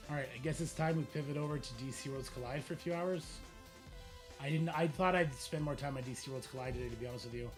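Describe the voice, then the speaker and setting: A man streams games and chats off the cuff in a mid-pitched voice that is wearing out. He rambles and thinks aloud as he goes. Music plays behind him. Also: fast. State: losing his voice, strained throat. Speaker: live streamer. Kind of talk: casual gaming livestream chat.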